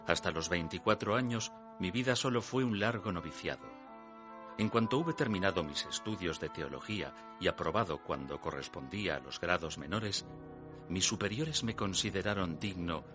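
A deep-voiced solemn priest. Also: male voice. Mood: solemn reminiscence. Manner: solemn, literary, measured. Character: pious male priest recalling his innocent youth and temptation. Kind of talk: dramatic first-person radio theatre narration. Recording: music under the voice. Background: music.

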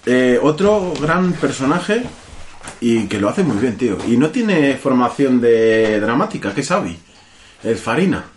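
A man's voice: mid-range voice, sing-song, a little slow, a little hiss or hum. A man hosting a casual film podcast, insistent and swearing freely. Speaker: podcast host discussing a film.

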